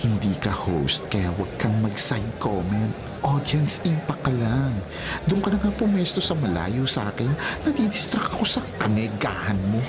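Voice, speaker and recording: A man's voice: fairly low pitch, big pitch swings, normal speed. A man playing a flamboyant, teasing gay wedding emcee in a radio drama, with campy, theatrical announcing. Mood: sassy annoyed. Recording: music behind the voice.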